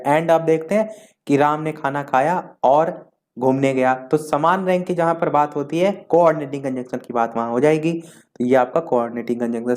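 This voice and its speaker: A man teaching an exam-prep English grammar lesson, explaining in Hindi and reading English definitions slowly. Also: mid-range voice, a little mellow.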